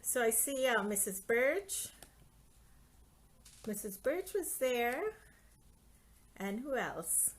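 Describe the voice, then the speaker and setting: A woman's voice: a little high, animated, slow pace, long pauses, low-quality recording. A middle-aged woman from Trinidad and Tobago, an author chatting on a live stream about her books and reading her novel's introduction aloud. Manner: friendly, chatty, reads aloud from her book.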